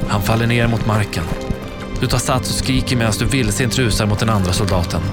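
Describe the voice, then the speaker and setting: A man reading a second-person dramatic audio story in a slow, hushed storytelling manner. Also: sits low. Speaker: narrator. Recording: narration over clear background music. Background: music.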